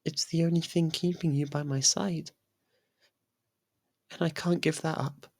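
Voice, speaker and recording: Breathy voice, slow halting delivery, anxious possessive faerie royal played by a performer, tender and pleading, ASMR audio roleplay. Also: mid-range voice, steady tone, no echo. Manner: hesitant, halting, soft and pleading.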